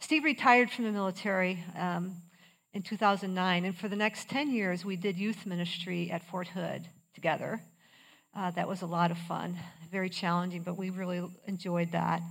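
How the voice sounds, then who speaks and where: A woman with an American accent speaks at a moderate pace and medium pitch, with ordinary pitch variation, in an unremarkable speaking voice. The recording is very clean, with a silent background. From US Midwest, Chicago suburbs. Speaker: Bible study speaker. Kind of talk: women's Bible study talk.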